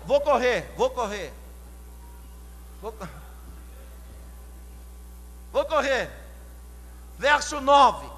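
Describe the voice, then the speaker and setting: A man from São Paulo with a São Paulo Portuguese accent, preaching a sermon, questioning the congregation and building to loud shouted climaxes. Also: very high voice, expressive, very slow, long pauses. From São Paulo, Brazil. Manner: asks the congregation direct questions. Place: church hall. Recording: long hall reverb, faint hum.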